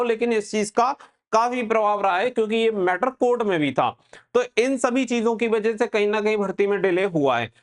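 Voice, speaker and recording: A man giving an informal, advisory exam update as a coaching host, mixing in English words. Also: high-pitched.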